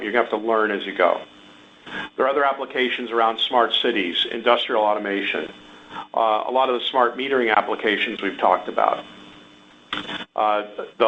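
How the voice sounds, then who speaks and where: A man speaking as a company executive on an earnings call, explaining things to investors with examples. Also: lowish voice. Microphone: conference call line. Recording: dull conference call audio with hum.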